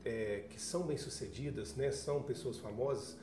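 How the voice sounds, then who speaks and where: A man's voice: medium pitch, moderate pace. Male interview host in an echoey room. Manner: affirming, asks questions. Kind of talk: interview conversation.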